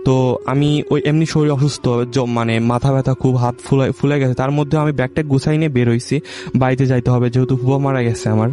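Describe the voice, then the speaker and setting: A man's voice: medium pitch, flat delivery, warm tone, soft background music. A young man from Bangladesh telling a true ghost story in casual speech, stumbling and restarting often. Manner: halting, with many restarts and self-corrections.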